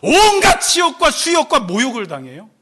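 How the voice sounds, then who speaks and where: A male pastor preaching in a church with a very high, bright and sharp voice. He talks animatedly and acts out the voices he quotes. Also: huge pitch swings, normal speed, a little hiss or hum. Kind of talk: sermon. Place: church sanctuary.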